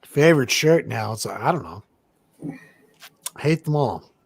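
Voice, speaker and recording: A man co-hosting a casual movie-review chat, rambling and deadpan, with casual swearing. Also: medium pitch, moderate pace, vocal fry, breathy edge, no echo. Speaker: podcast co-host.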